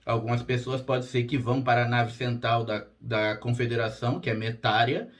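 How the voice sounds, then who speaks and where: Hoarse man, direct and casual. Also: medium pitch, steady tone, moderate pace. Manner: direct and plain-spoken, frequent "tá?" check-ins. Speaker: spiritual therapist and channel host. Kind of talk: casual monologue to camera.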